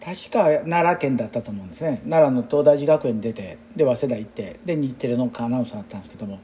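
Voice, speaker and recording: Talking very fast in a dark, medium-pitched voice with lively intonation, a Kansai-accented man in his sixties rambles on. He is an exercise instructor, and his casual monologue is chatty and reflective.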